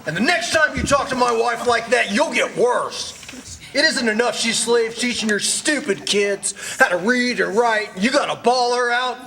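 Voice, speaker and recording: A man plays an angry, threatening husband in a staged radio drama. He snarls in a sharp, high, swooping voice, with faint noise around the live microphone. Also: moderate pace, gravelly, exaggerated voice, poor audio. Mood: furious. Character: angry, bullying husband picking a fight. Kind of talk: staged 1940s radio play acting.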